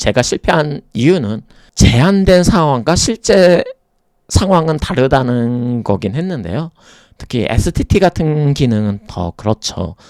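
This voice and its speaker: A man's very slow voice with very wide pitch swings, dry and close with no echo. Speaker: app developer. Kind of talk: tech vlog monologue. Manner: casual, hesitant with self-corrections.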